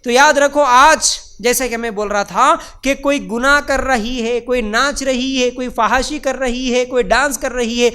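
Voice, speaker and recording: A man's voice: extremely high pitch, fairly even intonation, few pauses, bright, forceful tone, clean tone. A man from India, giving a religious lecture with emphatic repetition and rhetorical questions. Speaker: preacher.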